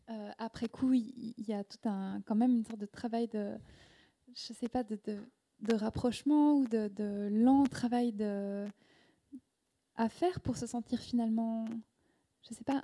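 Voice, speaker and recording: Guest author, woman in her thirties, Korean as first language; higher-pitched but very warm, mellow tone, handheld mic, halting reflective delivery. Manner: thoughtful, halting, with many restarts and fillers. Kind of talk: reflective interview answers. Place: indoor event room with audience. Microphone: handheld microphone.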